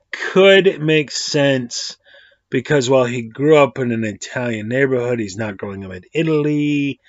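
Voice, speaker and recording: A middle-pitched man in his forties talks through a movie review in a loose, slangy ramble and keeps stopping to correct himself. The recording is dry and a little dull and lo-fi, with no room sound. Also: no room sound. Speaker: host of a movie review channel. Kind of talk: casual movie review vlog. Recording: dry, slightly dull lo-fi audio.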